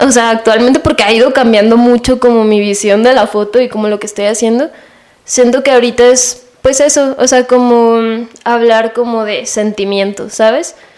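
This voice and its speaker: A woman speaks at a moderate pace with a high pitch and fairly even intonation. Noticeable background noise can be heard. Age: 20s. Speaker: photographer. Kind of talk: interview.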